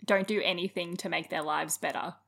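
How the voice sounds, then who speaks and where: A young woman co-hosting a podcast in casual chat, blunt and quick to laugh, with some acting training behind her. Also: lowish voice, creaky, breathy edge. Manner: animated, laughing, blunt opinions. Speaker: podcast co-host.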